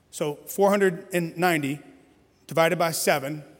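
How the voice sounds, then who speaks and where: The room echoes audibly around a man whose voice sits high for his sex. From Louisiana. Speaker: pastor. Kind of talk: sermon. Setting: church stage with audience. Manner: animated.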